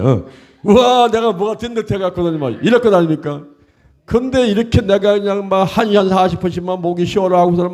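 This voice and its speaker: A middle-aged male pastor preaching a sermon in a folksy, animated way, acting out little dialogues. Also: high voice.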